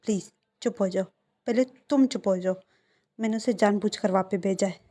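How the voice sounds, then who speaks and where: A woman voicing a stern middle-aged father who gives quiet, firm orders while reading a fan fiction story. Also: medium pitch, normal speed, lightly acted.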